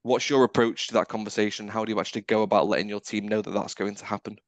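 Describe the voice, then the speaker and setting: A man's voice: fairly low pitch, level tone, very fast, no echo. A man hosting a video call roundtable, framing his questions in a friendly, rambling way. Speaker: podcast host, recruiter.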